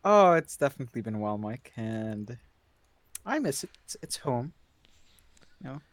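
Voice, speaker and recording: A man from Southeast Asia with a Southeast Asian English accent, giving relaxed, analytical esports color commentary. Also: mid-range voice, moderate pace, no room sound. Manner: relaxed, easily amused, thinking aloud. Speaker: esports co-caster.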